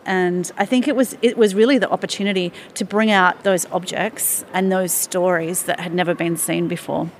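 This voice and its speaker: A woman, a museum chief executive answering radio interview questions in a measured, enthusiastic way with small fillers. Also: on the low side, steady tone, slight background noise.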